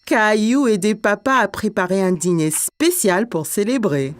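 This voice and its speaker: A woman narrating a children's cartoon in a clear storybook manner. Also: medium pitch, animated, measured pace, dry recording. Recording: with music behind.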